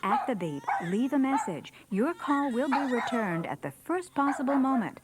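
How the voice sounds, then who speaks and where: A woman's voice: high-pitched, sing-song, moderate pace, heavy background noise. A woman delivering scripted answering machine greetings in a performed way.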